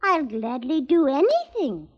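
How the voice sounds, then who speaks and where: A high-pitched, fussy, repetitive accomplice; old radio play. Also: female voice, sing-song, a little slow. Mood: eager. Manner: fussy, repeats herself. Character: fussy eager woman accomplice. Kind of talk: 1940s radio drama acting. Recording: dull old radio recording.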